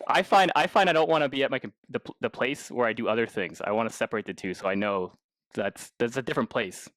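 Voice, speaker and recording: A quick-talking male podcast co-host with a mid-range voice, chatting casually. He restarts phrases eagerly as he asks and comments, and the recording is dry with very little room sound. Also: medium pitch, fairly bright tone, dry recording. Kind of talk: casual interview chat. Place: indoors in a house.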